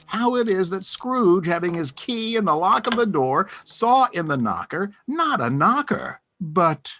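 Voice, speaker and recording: A man narrating a scripted story for an audio drama in a theatrical, deliberate storytelling manner. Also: high-pitched, big pitch swings, sharp tone, soft background music.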